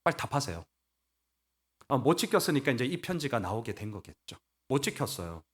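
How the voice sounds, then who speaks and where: A man preaching a sermon as pastor, animated, acting out voices and asking the congregation questions. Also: medium pitch, a little fast, husky. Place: church sanctuary.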